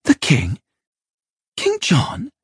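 Man voicing a high, awkward teenage boy. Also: animated, measured pace, breathy edge, no echo, exaggerated voice. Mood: surprised. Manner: muttering, defensive. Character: gangly, sulky, awkward fourteen-year-old kitchen boy. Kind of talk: audiobook character voice.

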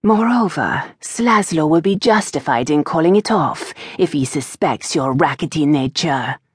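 A strict, high-born mother, raised in pitch and pressing hard on every reproach, as a woman reads her. Her husky voice swings widely as she scolds, close and dry. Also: expressive, measured pace, no room sound, heavily acted. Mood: stern. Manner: severe, disapproving and lecturing. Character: stern, proper aristocratic mother scolding her daughter.

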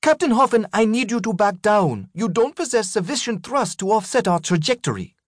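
Man voicing a calm, commanding woman starship captain. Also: sits high, dry recording, clean studio sound, voice pushed up. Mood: urgent, controlled. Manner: steady, measured commands.

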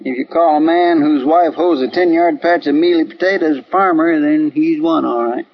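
An actor playing a poor, easygoing frontier deputy who talks in a slow, folksy rural drawl, in a 1950s radio drama. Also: male voice, a little high. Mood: gossipy. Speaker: marshal's helper. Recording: dull old radio broadcast, faint hiss.

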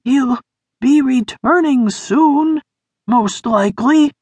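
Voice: high voice, takes it slowly, a little mellow, husky, no room sound, pitched above the performer's own voice, exaggerated voice. A storybook reader voicing a weak, wheezing, plump young male creature who survived a fire. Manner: wheezy and breathless.

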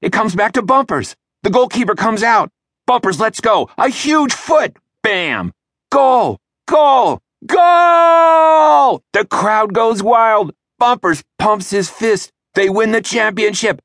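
Wild, high play-by-play announcer, narrator putting it on; dry close read. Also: male voice, expressive, measured pace, a bit bright, no room sound, exaggerated voice. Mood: thrilled. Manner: breathless play-by-play calling. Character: excited boy sports announcer, loud.

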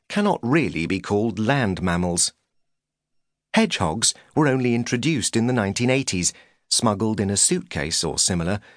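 A man's voice: lowish voice, dry recording. A man reading a humorous memoir as an audiobook narrator, with a dry, wry delivery.

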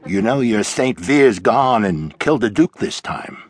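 An actor playing a drunken, loudmouthed former pickpocket in a full-cast audiobook. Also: male voice, lowish voice, sing-song, unhurried, no room sound, studio quality. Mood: blustering. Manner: boisterous, blustering.

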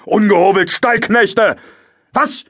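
An actor playing a loud, choleric master in a theatrical classical comedy audio drama, barking insults and switching to mock-sweet coaxing. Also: sits high, slow, breathy edge, heavily acted. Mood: furious, bellowing. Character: loud, choleric master bullying servants and bride.

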